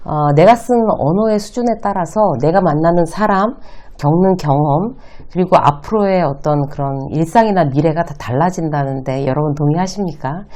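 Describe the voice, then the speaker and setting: A woman's voice: low-pitched, normal speed, mellow. A middle-aged woman lecturing on workplace communication, acting out short example dialogues in a raised voice. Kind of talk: talking-head lecture on speaking habits.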